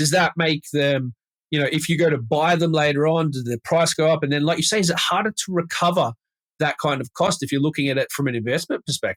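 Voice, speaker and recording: This man has an Australian accent and a fairly high pitch. He talks very fast, and the sound is dry and close with no echo. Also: ordinary pitch variation. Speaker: podcast host, investment editor. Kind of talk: casual chat. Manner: halting, repetitive.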